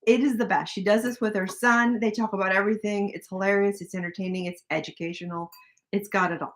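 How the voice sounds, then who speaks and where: Older woman cohosting a livestream, upbeat and chatty, mid pitch. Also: fairly even intonation, fast talker. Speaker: livestream co-host. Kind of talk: casual livestream chat.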